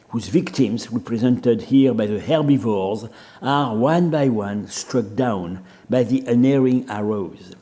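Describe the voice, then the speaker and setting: A man with a French accent giving an academic seminar lecture, reading quotations and pausing often with fillers and restarts. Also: medium pitch, warm tone. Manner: measured, hesitant with fillers and restarts.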